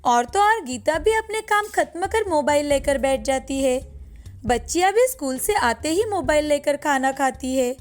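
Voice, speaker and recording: High-voiced woman storybook narrator. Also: expressive, moderate pace, soft background music.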